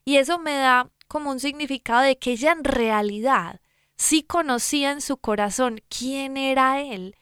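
A woman's voice: high voice, a bit bright, clear, resonant tone, no room sound, studio quality. A woman co-hosting a casual faith talk, retelling a Bible story in a chatty, folksy way with lots of "pues" asides. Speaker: Christian talk co-host.

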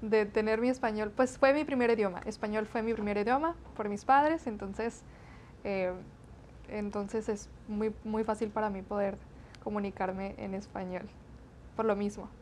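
A woman's voice: medium pitch, steady tone, moderate pace, darkish tone, a little hiss or hum. A woman in her twenties from the Texas–Mexico border, talking in an interview and filling her answers with eh and repeated "sí, sí, sí". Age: 20s. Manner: chatty, many fillers and repeated "sí, sí, sí". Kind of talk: interview conversation.

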